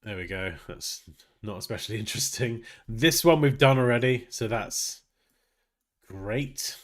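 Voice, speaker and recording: This man hosts a live design tutorial in an unhurried, mid-range voice with a fairly bright tone. He chats casually and thinks out loud while working, sounding sniffly and nasal from congestion.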